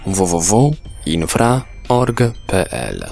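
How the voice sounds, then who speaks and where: A man's voice: deep voice, very animated, slow pace, vocal fry, a little mellow. A man reading a scripted article as a documentary narrator. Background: background music.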